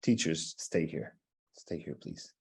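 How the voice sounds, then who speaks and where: A man's voice: a bass voice, lively intonation, takes it slowly, darkish tone, slightly rough. A man hosting an online teacher meetup, giving friendly step-by-step instructions and often checking in with "right?" and "okay?". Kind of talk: casual instructions on a video call. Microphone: video call.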